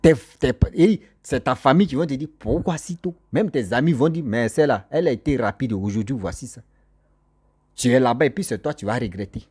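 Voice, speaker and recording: Here a man with a husky, darkish mid-range voice delivers a moralizing monologue to camera. Acting as a social commentator, he lectures and scolds his audience directly, hammering the same points again and again.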